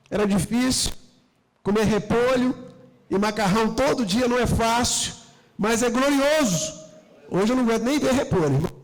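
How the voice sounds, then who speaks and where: High-voiced Brazilian pastor preaching in a hall. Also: male voice, a little mellow. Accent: Brazilian Portuguese. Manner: fervent preaching, storytelling with repeated address to the congregation. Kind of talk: sermon. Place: church hall. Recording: long church hall reverb.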